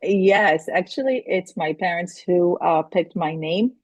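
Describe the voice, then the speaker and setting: A woman's voice: fairly low pitch, measured pace, a little mellow, no room sound, highs cut off. A middle-aged woman from Israel, a guest in an interview, answering earnestly with frequent restarts and phrasing. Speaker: guest, astrology and feng shui consultant.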